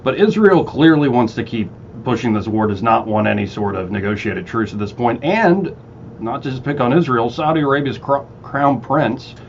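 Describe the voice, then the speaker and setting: A man's voice: mid-range voice, lively intonation, moderate pace, dull audio, a little hiss or hum. Chatty radio host, man. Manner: chatty, laughs easily, loose restarts. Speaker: radio talk show host. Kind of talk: casual talk radio chat.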